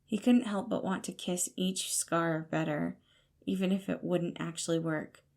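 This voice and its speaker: A woman's voice: on the low side, steady tone, unhurried, creaky, a little mellow. A woman reading scripted fiction as the narrator of an audio story. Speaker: podfic narrator.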